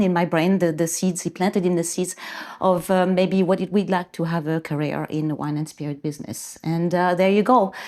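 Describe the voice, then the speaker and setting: A woman with a French accent speaks fairly quickly at a medium pitch in a very clean recording with a silent background. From France, Cognac region. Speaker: spirits importer. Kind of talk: interview. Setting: importer's office. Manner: hesitant, many fillers.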